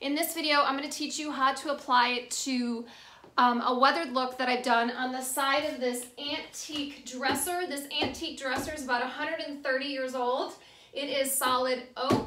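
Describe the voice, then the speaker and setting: A woman with an American accent uses a raised, projected voice in a high pitch with monotone, flat intonation. Audible room echo and light background noise surround her. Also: moderate pace. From US Midwest, Minnesota. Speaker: furniture refinisher. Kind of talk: tutorial. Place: workshop. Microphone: phone near.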